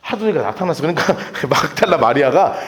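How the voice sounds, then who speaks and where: Male pastor, animated sermon delivery, high and expressive, echoey church sanctuary. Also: fast talker. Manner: animated, lively storytelling with acted-out quotes and laughter. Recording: echoey church hall with long reverb.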